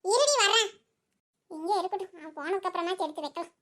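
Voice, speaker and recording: A bossy old village mother-in-law in a cartoon, as a woman voices her, who fires off teasing scolds at a breakneck clip. Her voice sits very high and thin, and she barely pauses between jabs. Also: a bit bright. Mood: scolding. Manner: teasing and scolding, quick retorts. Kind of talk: cartoon voice acting.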